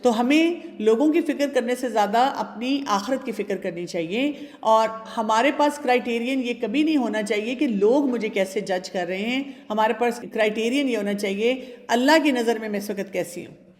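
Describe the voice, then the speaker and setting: A woman giving a talk on parenting and faith, calmly advising her listeners and addressing them directly. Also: fairly high pitch, big-room sound. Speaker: speaker answering audience questions.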